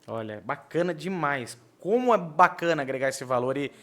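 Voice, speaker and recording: A man's voice: fairly high pitch, expressive, normal speed, a bit bright. A man hosting an interview podcast, asking long rambling questions in a casual, conversational way. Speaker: podcast host.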